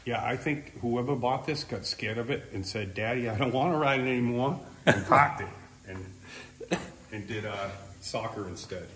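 A man's voice: mid-range voice, moderate pace, noisy background. A middle-aged man, a mechanic, chatting casually and telling stories about old dirt bikes in a motorcycle workshop, picked up by someone else's phone. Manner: relaxed, knowledgeable, tells stories. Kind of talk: casual shop chat. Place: large motorcycle workshop indoors.

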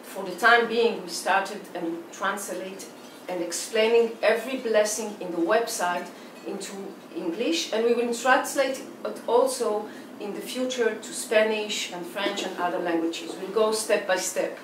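A woman's voice: medium pitch, measured pace, hardly any pauses. A woman in her forties from Israel, with an Israeli accent and Hebrew as her first language, answering interview questions thoughtfully and often restarting her phrases. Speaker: artist guest. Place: indoor room with plain walls. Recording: echoey room, distant mic, faint hiss.

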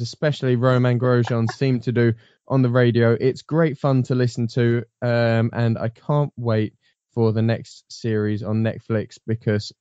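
Man, podcast host, mellow voice, smooth tone, dry dull recording, casual rambling chat. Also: medium pitch, no room sound. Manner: rambling, frequent ums and restarts. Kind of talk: casual motorsport panel chat.

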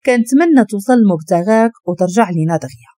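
Soft pleading Moroccan young woman, read by the narrator, warm tone. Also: mid-range voice, expressive, fast, no echo, studio quality, close to an everyday voice. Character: devoted young woman agent.

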